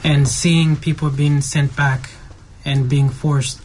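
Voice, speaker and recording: Even-toned man over faint background noise. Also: fairly high pitch, slow. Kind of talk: earnest opinion in group discussion.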